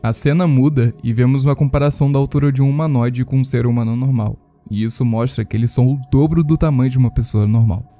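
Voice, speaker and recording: A man's voice: mid-range voice, steady tone, fast talker, hardly any pauses, warm tone, soft background music. A Brazilian man narrating scripted commentary on horror videos.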